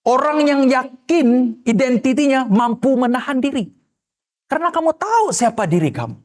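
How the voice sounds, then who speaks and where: A male pastor delivers a sermon in an unusually high voice. He preaches with animation and tosses rhetorical questions at the congregation. He also slips into the voices of the people he quotes. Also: sing-song, normal speed, a little mellow.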